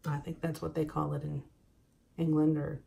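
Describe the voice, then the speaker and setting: A woman's voice: low voice, level tone, moderate pace, vocal fry, warm tone. A woman with a Baltimore accent casually narrates a craft demonstration, thinking aloud in a hesitant, self-deprecating way. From Baltimore, United States. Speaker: host demonstrating acrylic pouring.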